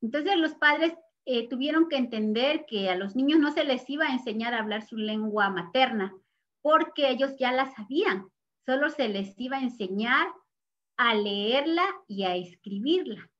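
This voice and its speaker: An older woman from Mexico with a Mexican Spanish accent, a Nahuatl native speaker and indigenous teacher, telling her story in a measured, earnest interview, pausing often with soft fillers. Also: on the high side, animated, highs cut off. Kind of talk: slow, reflective interview testimony.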